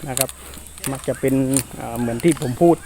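A man talking casually to viewers in an explanatory vlog, hesitant and repetitive, with many drawn-out filler pauses. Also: medium pitch. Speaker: soldier vlogger addressing viewers. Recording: noisy outdoor recording with insect ambience.

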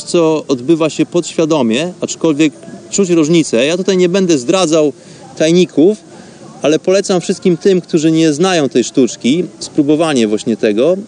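A man hosting a radio show, giving instructional talk in an explanatory way, pausing now and then to find words. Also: on the high side, dark tone. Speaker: host of a radio show on meditation.

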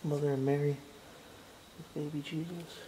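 A man's voice: on the high side, level tone, moderate pace, warm tone. A young man exploring an abandoned house, talking to his camera, awed and jumpy, sometimes calling out and sometimes whispering, recorded on a handheld camera mic. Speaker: urban explorer. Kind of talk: exploration vlog narration. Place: large empty abandoned house, indoors. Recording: echoey empty rooms with faint hiss.

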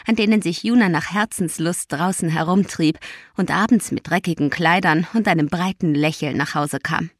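A woman narrating an audiobook in a calm, even storytelling voice. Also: low voice, no room sound, studio quality. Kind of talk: scripted narration.

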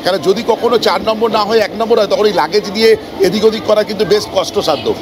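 A man giving a casual travel vlog, chatting and explaining things to viewers and companions. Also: fast. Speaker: travel vlogger. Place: aboard a local train. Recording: noisy train ambience. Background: train and vehicle rumble.

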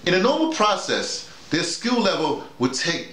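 A middle-aged or older man talking casually and emphatically to colleagues like a teacher, often halting and repeating his words over and over. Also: high-pitched, wildly swooping pitch, very noisy. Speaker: workshop leader and radio drama teacher. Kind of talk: casual informal explanation to colleagues. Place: small indoor room with bare walls, seated. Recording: roomy, echoing small room.

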